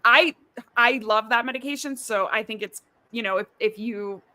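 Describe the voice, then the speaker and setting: A woman's voice: fairly high pitch, moderate pace, sharp tone. A middle-aged woman from Ecuador, chatting casually over a video call on a live stream and filling her talk with asides. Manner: chatty, many fillers and asides. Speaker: podcast host.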